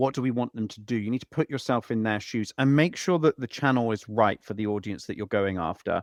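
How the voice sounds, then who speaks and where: With lively intonation, a man in a West Country accent speaks at a fairly quick pace. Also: quiet background. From England, Bristol. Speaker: marketing podcast co-host. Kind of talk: casual podcast chat. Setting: live stream.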